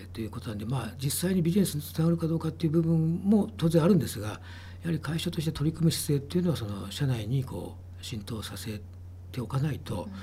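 At a very fast pace, a man speaks with a medium pitch and very wide pitch swings. His tone is dark, mellow and somewhat breathy. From Tokyo, Japan. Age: 50s. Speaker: company executive. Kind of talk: interview. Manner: hesitant, many fillers.

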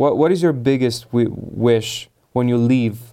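A dark, mellow tone at a fairly slow pace, in a Romanian accent. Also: man. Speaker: podcast host. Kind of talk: interview.

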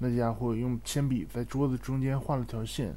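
A man's dark, mellow voice at medium pitch, fairly slow in pace, with audible room echo. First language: Chinese (speaking Japanese). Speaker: Japanese reading participant, teacher. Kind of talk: reading aloud.

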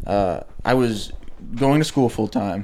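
A man talks with an American accent. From US South, upstate South Carolina (Simpsonville). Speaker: actor and former pro wrestler. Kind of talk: casual chat.

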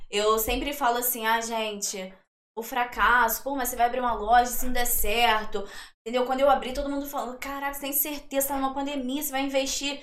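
The speech moves at a fairly quick pace with fairly even intonation. Room echo is audible. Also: woman, high pitch for a woman. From Brazil, Niterói. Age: 20s. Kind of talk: casual interview chat. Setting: studio.

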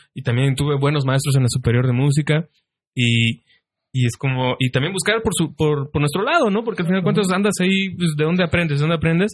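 Somewhat breathy, a man with a Mexican accent talks at a fairly quick pace. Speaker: podcast host and saxophonist. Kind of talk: casual interview chat.

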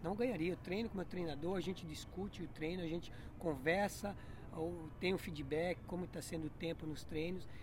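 High-pitched male voice with fairly even intonation. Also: fairly quick pace. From Brazil, interior of Bahia. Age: 40s. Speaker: marathon runner. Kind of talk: interview. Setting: outdoors.

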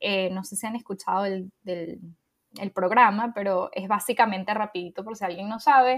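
With big swings in loudness, a woman speaks at a moderate pace, at medium pitch with fairly even intonation. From Venezuela. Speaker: podcast host and educator. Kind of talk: casual interview conversation.

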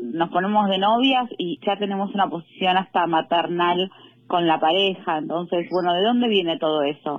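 In a Rioplatense accent, a woman with a fairly low pitch speaks with ordinary pitch variation. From Argentina, Mar del Plata. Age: 30s. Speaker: political scientist and feminist author. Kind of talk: interview conversation.

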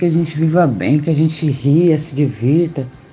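A woman speaks at a moderate pace in a fairly low pitch. Noticeable background noise runs behind her. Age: 40s. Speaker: person with Parkinson's, group member. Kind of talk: casual group chat. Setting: online group call.

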